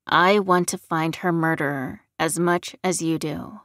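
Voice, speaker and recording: A woman's voice: deep voice, steady tone, a little slow, a bit bright, dry recording, clean studio sound. A woman voicing a tired, concerned man in an audiobook story, earnest and a little defensive. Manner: sympathetic, earnest, mildly annoyed.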